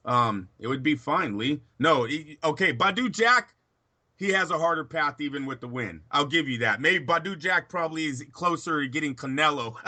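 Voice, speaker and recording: A man talking boxing in a casual chat, opinionated, in quick bursts with fillers and restarts. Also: on the high side, bright, forceful tone. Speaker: boxing pundit.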